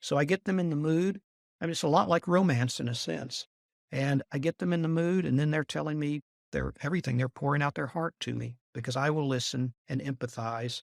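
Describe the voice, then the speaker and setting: Recorded with a dry, close sound with no echo and a very clean, silent background, a man speaks at a fairly quick pace in a fairly high pitch with ordinary pitch variation. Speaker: former intelligence officer and author. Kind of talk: interview. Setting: podcast. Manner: calm, soothing.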